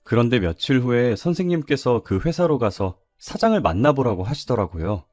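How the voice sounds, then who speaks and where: A man's voice: mid-range voice, lively intonation, moderate pace, darkish tone, no echo, studio quality, faint music behind. A man narrating a woman's first-person life story in scripted storytelling style.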